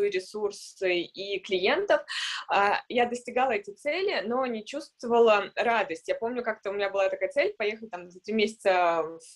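Woman agency founder chatting in an interview, lots of um and uh, mid pitch. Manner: thoughtful, many fillers and hedging pauses. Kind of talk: casual interview answers.

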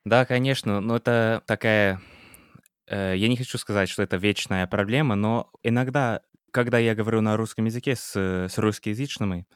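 Hesitant Englishman, smooth low voice. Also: fairly even intonation, no room sound, clean studio sound. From England. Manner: hesitant, many pauses and restarts. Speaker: podcast co-host, Russian teacher. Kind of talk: casual chat.

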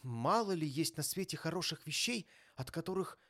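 A man's voice: on the high side, expressive, moderate pace, a bit bright, pitched above the performer's own voice. A man reading an audiobook voices a cheerful, earnest young nephew. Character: cheerful warm-hearted young male nephew.

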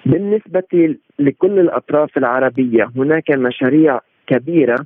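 The sound is a narrow, tinny phone-like line with a dry, echo-free feel. On it a man gives analytical commentary in formal Standard Arabic, explaining point by point and now and then restarting a phrase. His pitch sits in a middle range. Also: brisk. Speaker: political and economic analyst, interview guest. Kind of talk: live interview commentary. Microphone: remote phone-like connection.

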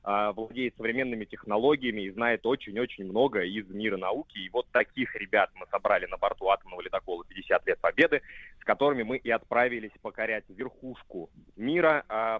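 A man with a lowish voice calling in over a thin, phone-like line. He speaks fluently and eagerly, padding his sentences with small filler sounds, and the sound is dry with no room around it. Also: dry recording. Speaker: guest on the phone.

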